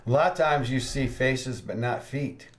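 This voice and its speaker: A man's voice: mid-range voice, moderate pace. A man hosting a ghost-hunting podcast, telling investigation stories in casual chat. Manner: storytelling, laughs at his own tales. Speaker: ghost hunter podcast host.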